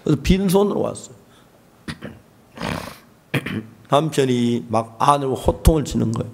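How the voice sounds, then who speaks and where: A man preaching a sermon in church as pastor, telling stories and acting out the voices in them, often clearing his throat. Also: mid-range voice, expressive, a little slow. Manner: storytelling, acting out the voices of the people in his story.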